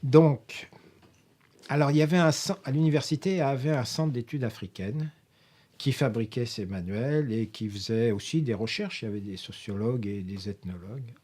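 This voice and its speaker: An older man from France tells stories in a filmed interview. His voice is husky and sits at a middle pitch. He rambles, stops to correct himself, and fills gaps with hesitations. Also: moderate pace, mellow. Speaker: interviewee, professor emeritus. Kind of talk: filmed interview, anecdotal recollection.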